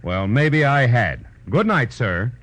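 An American actor playing a wry, clipped, hard-boiled private detective in an old radio drama. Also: male voice, medium pitch, very animated, slow pace, a bit bright. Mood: feigned hesitant politeness. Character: hard-boiled wisecracking male private detective, narrating his case. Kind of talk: 1940s-50s radio detective acting and narration. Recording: muffled vintage radio recording with music.

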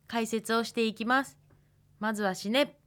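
A woman's voice: on the high side, moderate pace, a bit bright. Woman in her twenties, radio language teacher, thinks aloud while explaining. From Hokkaido, Japan. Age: 20s. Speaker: language instructor.

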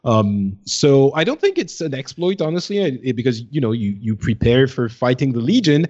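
A man's voice: mid-range voice, big pitch swings, moderate pace, a little mellow, husky, highs cut off. A man co-hosting a casual gaming podcast, thinking aloud in a hesitant way. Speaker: podcast co-host.

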